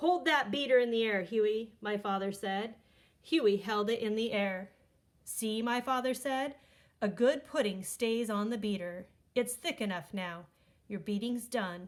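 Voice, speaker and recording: In a put-on character voice, a woman sounds stern with a fairly high pitch. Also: moderate pace. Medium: read story. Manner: stern, firm.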